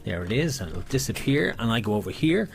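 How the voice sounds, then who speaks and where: A man's voice: mid-range voice, very animated, a little fast, gravelly, faint music behind. A man working as a bingo caller and host, chatting jokily to players and calling numbers with playful nicknames, often repeating himself.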